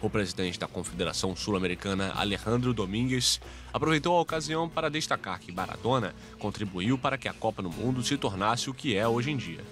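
A man's voice: fairly low pitch, fast. A man with a Brazilian accent reading scripted news narration as a reporter. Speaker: news reporter and voice-over translator. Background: music.

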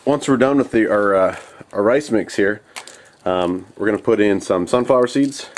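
Outdoors at night, a young man casually shows how to do camp cooking, rambling in a relaxed way full of fillers. His voice is fairly low at a moderate pace, recorded on a camera held close.

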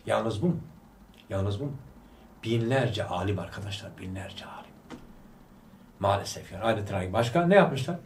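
A man's voice: fairly low pitch, animated, normal speed, vocal fry, long pauses, distant mic, a little hiss or hum. A man giving a religious study talk to a gathering. He speaks fervently, fires rhetorical questions and prompts his listeners to answer aloud. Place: study hall of a religious school. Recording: echoey room, voice picked up from afar.

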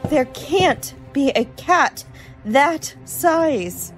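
A woman playing a chatty, brisk college girl in a radio horror drama. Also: high voice, animated, music in the background, full character voice, low-quality recording. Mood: alarmed. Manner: chatty, colloquial.

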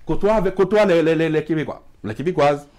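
A fast-talking middle-aged man with a rather high, darkish voice and a West African French accent appears as an emigration expert in a TV studio interview. Captured on a lapel mic, he gestures expansively and stumbles over repeated words.

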